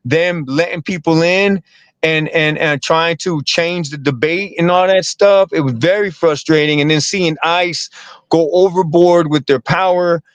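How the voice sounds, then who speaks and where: A man's voice: a little high, measured pace, dry recording. Guest comic, male, casual and rambling, stacks up repeated words, close dry sound. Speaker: comedian and actor guest. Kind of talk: casual interview talk.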